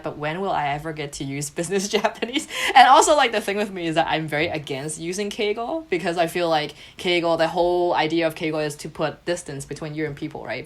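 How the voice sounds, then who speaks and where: Laughing woman, Cantonese native. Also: low voice. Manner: laughs often mid-sentence. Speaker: podcast guest. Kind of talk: casual chat.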